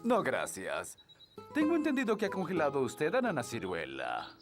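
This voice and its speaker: A man voicing a courteous, smooth-talking, pompous fairy king in a Latin American Spanish cartoon dub. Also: a little high, moderate pace, music in the background. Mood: flattering. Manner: pompous, flattering. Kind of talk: animated children's cartoon dub.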